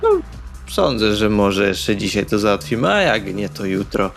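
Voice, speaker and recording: A man's voice: on the low side, very animated, moderate pace, vocal fry, faint music behind. A man role-playing in a tabletop game, speaking in short, laconic phrases.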